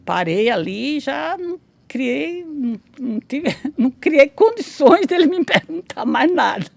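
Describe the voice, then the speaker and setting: A woman's voice: sits high, big pitch swings, a little slow, creaky, dry recording. A woman in her sixties telling her life story in a casual interview, rambling with many restarts and tag questions. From Brazil. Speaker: interview guest, memoirist.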